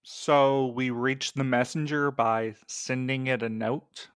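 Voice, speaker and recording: A man's voice: mid-range voice, steady tone, slow, clean tone, no room sound, natural voice. Thoughtful, level-headed young courier, played by a man. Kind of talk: naturalistic audio drama acting.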